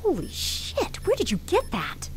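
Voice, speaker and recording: A woman's voice: high-pitched, huge pitch swings, a little slow, background noise, full character voice. A woman acting in an audio drama as a down-to-earth starship medic with a casual, sardonic manner. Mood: delighted.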